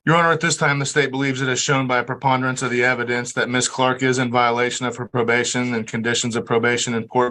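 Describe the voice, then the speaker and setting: A man speaking as a prosecutor in a courtroom recording, with formal, deliberate legal phrasing. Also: medium pitch, pushed and bright, low-quality recording.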